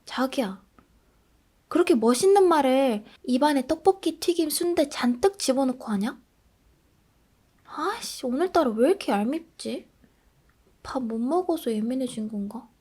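Woman as a pouty, grumbling girlfriend on a diet, bright high voice, soft role-play delivery. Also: animated, moderate pace, slightly rough. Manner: grumpy, sulky, pouting. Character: dieting girlfriend, low on self-esteem. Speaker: ASMR role-play creator playing a girlfriend.

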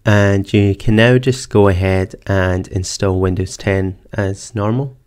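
A man narrating a screen-recorded computer tutorial, calmly explaining each step in order. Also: sits low, unhurried, clean tone. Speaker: tech tutorial presenter. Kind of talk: screen-recorded software walkthrough. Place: voice-over for screen capture.

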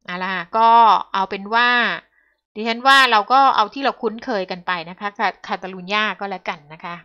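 A woman's voice: medium pitch, brisk, sharp tone, muffled recording. A woman commenting on the news in a talk show, polite at first and growing heated and emphatic.

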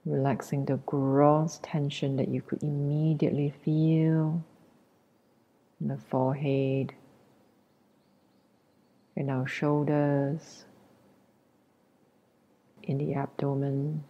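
A woman leading a guided meditation as a teacher, speaking gently with long pauses in a soft, breathy voice that nears a whisper. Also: deep voice, little pitch movement, highs cut off. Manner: gentle, unhurried, long pauses between short phrases.

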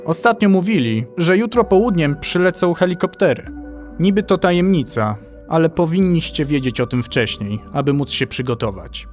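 Man playing a soldier, matter-of-fact, reassuring, fairly high and animated voice. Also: normal speed, faint music behind, close to an everyday voice. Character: calm, dutiful adult male soldier. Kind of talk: audio drama acting.

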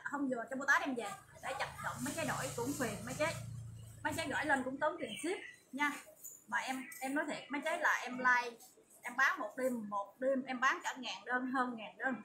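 A woman with a southern Vietnamese accent giving a chatty, repetitive livestream sales pitch as an online shop seller. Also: fairly quick. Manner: chatty, repetitive, emphatic assurances. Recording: distant mic with loud background noise.

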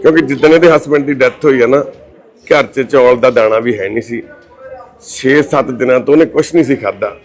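Gentle man soothing and reassuring. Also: medium pitch, brisk. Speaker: charity volunteer. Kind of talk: comforting, casual talk.

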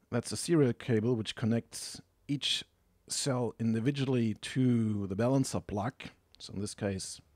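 A man's voice: medium pitch, darkish tone, no room sound, studio quality. A man narrating a hands-on technical tutorial in a methodical, explanatory, matter-of-fact manner. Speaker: tutorial presenter.

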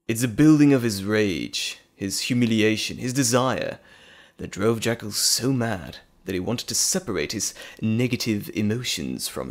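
A man playing a menacing, teasing monstrous alter ego in a dramatic audio roleplay, theatrical and mocking, drawling with dramatic pauses. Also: on the low side.

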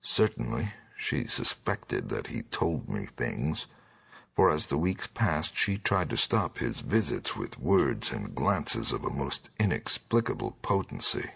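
Extremely deep, gravelly male narrator. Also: big pitch swings, measured pace, a bit bright. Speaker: audiobook narrator. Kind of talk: scripted gothic horror narration.

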